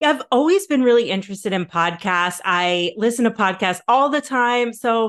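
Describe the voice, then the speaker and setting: Against a quiet background, a woman with a fairly high pitch talks at a moderate pace, her intonation lively and hardly any pauses between words. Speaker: podcast host and content creator. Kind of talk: interview.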